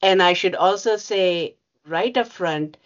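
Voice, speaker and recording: A woman's voice: fairly low pitch, slow pace, dull audio. A woman presenting slides to a bargaining meeting over a video call, hesitant with many fillers. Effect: heard over a video call. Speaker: union bargaining representative.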